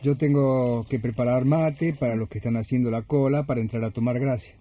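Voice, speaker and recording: A man acting a kindly young church volunteer in a radio drama, speaking gently and obligingly with an Argentine Rioplatense accent. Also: medium pitch, fairly even intonation, a little fast, highs cut off, soft background music, close to an everyday voice. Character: kindly young male church volunteer serving hot mate.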